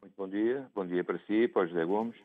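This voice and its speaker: Deep-voiced man on a phone line. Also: fast. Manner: hesitant, many fillers and restarts. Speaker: phone-in caller. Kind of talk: call-in opinion.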